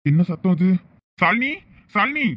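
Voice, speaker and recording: A man voicing a high-voiced grumbling cartoon husband with a Thoothukudi accent. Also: steady tone, fast talker, very noisy, close to an everyday voice. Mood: panicked. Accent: Thoothukudi Tamil. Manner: grumbling asides, earnest. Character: devoted young husband, anxious and grumbling. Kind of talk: cartoon voice acting. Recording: dull lo-fi audio.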